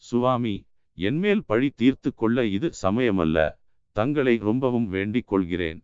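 A man's voice: mid-range voice, expressive, measured pace, darkish tone, clean tone, no echo, lo-fi sound, natural voice. Desperate young woman begging for help, read by a man. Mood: desperate pleading. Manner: pleading, anguished. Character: young woman sculptor's daughter, desperate, pleading.

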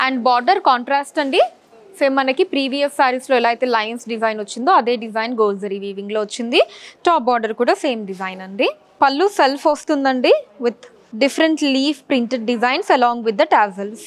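A woman's voice: fairly high pitch, normal speed. A young woman presenting sarees in a showroom, politely listing colors, designs and prices. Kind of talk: product showcase. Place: large saree showroom, indoors.

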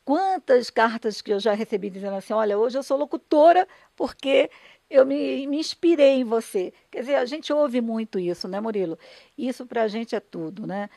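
A woman's voice: on the high side, vocal fry, warm tone, dry recording. A Brazilian woman, a radio dramatist and broadcaster, explaining her work conversationally and earnestly in an interview, often checking for agreement.

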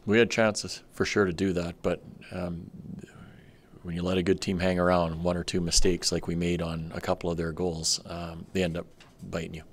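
A middle-aged man answering reporters' questions at a post-game press conference as a hockey head coach, measured and matter-of-fact with frequent ums, speaking into a table microphone. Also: sits low, level tone, a little hiss or hum. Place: press room in front of a sponsor backdrop. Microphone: table microphone on a stand.

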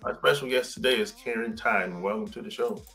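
A man's voice: mid-range voice, brisk, vocal fry, pushed and bright, faint music behind. A man hosting a conversational podcast interview over a video call. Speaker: podcast host. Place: small home room indoors.

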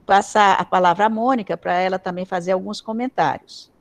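A woman moderating an online academic talk, friendly and chatty, pausing often to search for words. Her voice is mid-pitched and plain, heard through a video call. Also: fairly even intonation.

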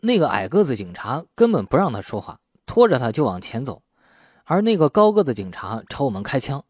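A man's voice: mid-range voice, big pitch swings, a little fast, a little mellow, no room sound, studio quality. A man voicing a wily, defiant young male suspect who argues and feigns innocence in an audiobook. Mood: evasive. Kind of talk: audiobook character dialogue.

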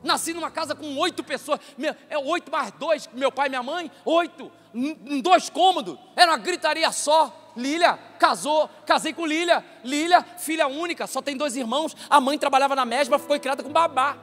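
A male pastor, preaching a loud, joking, animated sermon in a church. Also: very high voice, normal speed, hardly any pauses. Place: church sanctuary. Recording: reverberant church hall with faint music.

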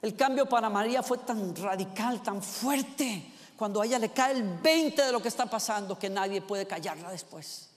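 A man's voice: sits high, normal speed. A man preaching a sermon in an impassioned, emphatic way, with a lot of repetition and acted-out voices of doubters. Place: large church auditorium. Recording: reverberant hall.

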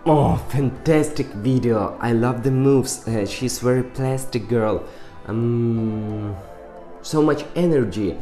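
A man in his twenties from Ukraine, a native Russian and Ukrainian speaker, giving an excitable reaction commentary in simple English with small slips. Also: medium pitch, takes it slowly, echoey room, faint music behind. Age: 20s. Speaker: music reaction vlogger. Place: small indoor room with ornate sofa.

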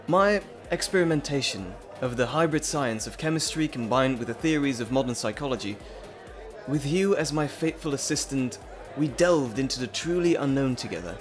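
A man's voice: medium pitch, animated, moderate pace, over music, lightly acted. A man playing an earnest, nervous scientist and professor in an audio drama, with hesitant, stammering, wordy and formal speech. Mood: confiding, earnest. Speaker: voice actor. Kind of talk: dramatic roleplay audio acting.

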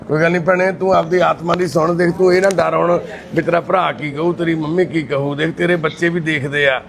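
Gravelly-voiced consoling man. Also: on the high side, steady tone, brisk. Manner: consoling, brotherly and firm. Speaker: charity volunteer. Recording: loud background noise.

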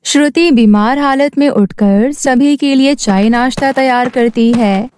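A woman's voice: sits high, unhurried, darkish tone, a little hiss or hum. A woman giving scripted narration for a cartoon story.

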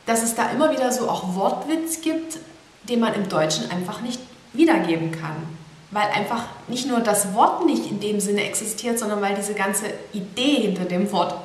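A woman's voice: mid-range voice, animated, moderate pace. Young woman musing in an echoey room. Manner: thoughtful, rambling, gestures a lot. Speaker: blogger. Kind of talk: casual talking-head vlog. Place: small indoor room with plain wall. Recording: echoey room with faint hiss.

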